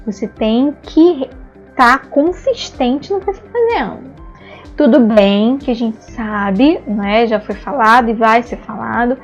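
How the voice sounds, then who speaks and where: An expressive, slightly high female voice speaks at a measured pace as a Brazilian ABA instructor teaches an online therapy lesson. Her Brazilian Portuguese explanations are patient, full of "né?" tags and acted-out praise and "no" scenarios. The sound is lo-fi, with soft music in the background.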